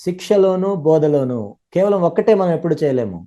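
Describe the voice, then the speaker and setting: A man interpreting a sermon live, speaking fluently and running his sentences together quickly. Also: fairly high pitch, expressive, warm tone, highs cut off.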